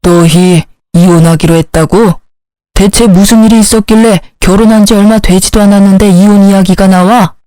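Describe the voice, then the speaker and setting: A woman's voice: mid-range voice, steady tone, moderate pace, warm tone, no echo, close to an everyday voice. A woman voicing a stern middle-aged father-in-law in a read-aloud story, questioning sharply.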